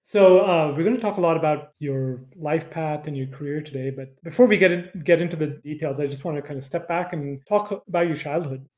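A man's voice: fairly high pitch, brisk, hardly any pauses, a little mellow. A man hosting a podcast, reading a scripted introduction and then asking friendly interview questions. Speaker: podcast host.

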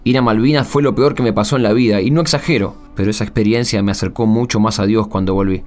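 A man's voice: on the low side, fairly even intonation, fast talker, a little mellow, close to an everyday voice. A man playing a candid, middle-aged Argentine war veteran turned devout Catholic in a radio drama, speaking in an emphatic, colloquial way. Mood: bitter, reflective. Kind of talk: radio drama interview acting. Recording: music bed behind the voice.

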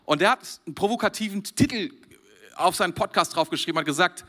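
A man from Germany preaching a sermon to a congregation, animated and chuckling often between phrases. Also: high-pitched, fast talker.

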